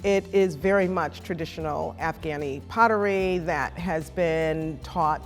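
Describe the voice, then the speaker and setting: A woman's voice: low voice, unhurried, soft background music. A woman giving a conversational interview as an arts director, explaining things appreciatively, recorded in a reverberant church. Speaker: executive director of an arts organization, interview guest. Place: inside an old granite church. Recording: long reverberant hall echo.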